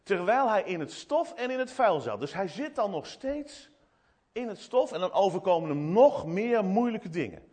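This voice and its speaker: A man giving an animated children's sermon in church, retelling a story with many restarts and asides. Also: high voice, normal speed. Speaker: preacher speaking to children.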